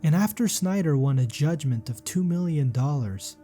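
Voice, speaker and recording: A man reading a scripted sports documentary narration in a measured, serious way. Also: a little high, lively intonation, dark tone, soft background music.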